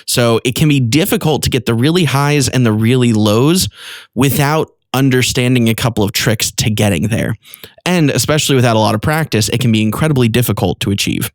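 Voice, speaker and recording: A man's voice: medium pitch, fairly quick, no echo. Man teaching vocal technique, very dry recording. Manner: informal, explanatory. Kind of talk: instructional talk with short vocal demonstrations.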